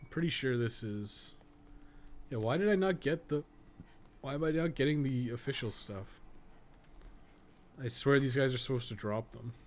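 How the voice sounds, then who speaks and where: A man's voice: mid-range voice, moderate pace, pauses often. A man giving casual, rambling gameplay commentary with plenty of swearing and crude joking. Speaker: podcast co-host streaming a video game. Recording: clearly noisy background.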